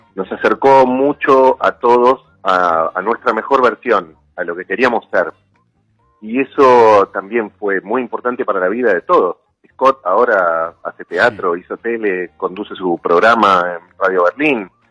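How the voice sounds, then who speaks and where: Music plays behind a man talking at a fairly slow pace. The sound is dry and close, with no echo. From Argentina, Buenos Aires west (Ramos Mejía). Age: 40s. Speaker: radio host. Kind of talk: casual interview. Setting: phone call.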